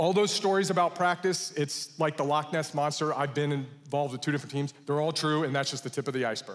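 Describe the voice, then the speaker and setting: Against a quiet background, a man talks very fast with hardly any pauses and ordinary pitch variation. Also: fairly high pitch for a man. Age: 40s. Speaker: former basketball referee, speaker. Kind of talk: testimony. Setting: church stage with audience. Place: church.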